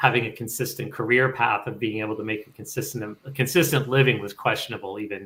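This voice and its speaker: A man speaks at medium pitch with a bright, sharp tone. His pace is fairly quick and his intonation fairly even. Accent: slight Canadian. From Canada, Windsor Ontario. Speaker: software company founder. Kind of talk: casual chat.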